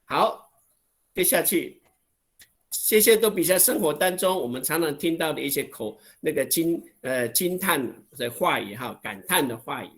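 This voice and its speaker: Speaking at a fairly high pitch, a Taiwanese Mandarin-accented man gives a language lesson online through a video call. He acts out exclamations, drawing them out with lots of expression.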